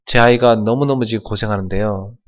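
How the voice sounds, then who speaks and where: Man doing a pleading dad begging for his kid, low voice, dull lo-fi sound. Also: brisk, natural voice. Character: desperate father begging for his son.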